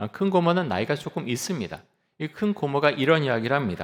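The speaker is a man with an unremarkable speaking voice. His pitch is fairly high and his intonation lively. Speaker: pastor. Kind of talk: sermon. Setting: church. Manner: conversational, with filler sounds.

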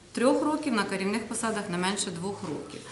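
Light background noise and audible room echo accompany a woman speaking at a fairly quick pace. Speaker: council staff presenting candidate documents. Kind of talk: formal committee meeting report. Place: meeting room.

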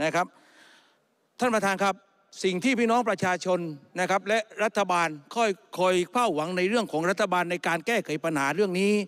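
A man is talking with a high pitch. His pitch varies in an ordinary way. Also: quiet background. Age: 50s. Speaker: member of parliament. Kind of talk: parliamentary debate speech. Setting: parliament chamber. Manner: formal. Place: hall. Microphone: podium.

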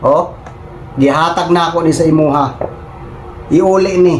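A man speaks at a high pitch and a fairly slow pace. Audible room echo and noticeable background noise surround his voice. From Visayas, Philippines. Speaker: vlogger. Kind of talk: comedic vlog.

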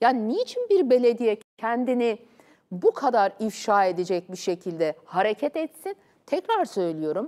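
A woman's fairly high voice with very wide pitch swings, at a fairly slow pace against a quiet background. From Turkey. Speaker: political commentator. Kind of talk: heated debate. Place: studio.

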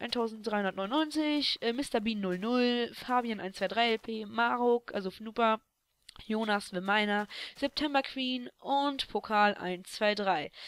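A woman speaking very slowly with ordinary pitch variation, in a dry, close sound with no echo. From Germany. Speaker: gaming YouTuber. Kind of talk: casual let's play commentary. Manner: halting, many fillers.

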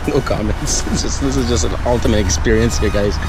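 Over clear background music, a man talks at a very fast pace in a dry sound with no echo. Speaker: car restoration vlogger. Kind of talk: casual vlog chat. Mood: amused, enthusiastic. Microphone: phone near.

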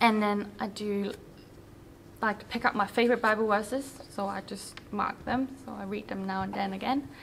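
Over light background noise, a woman speaks with vocal fry and fairly even intonation. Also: medium pitch for a woman, moderate pace. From Germany. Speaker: churchgoer; interviewee. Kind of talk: interview. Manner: halting. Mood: calm, warm. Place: hall.

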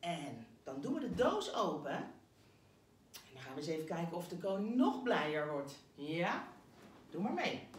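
A woman with a fairly low pitch speaks at a fairly slow pace, her voice making very wide pitch swings. Long, frequent pauses mark her speech, and audible room echo surrounds it. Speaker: dance teacher for children. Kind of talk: instructional talk to children. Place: home room. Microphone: camera far.

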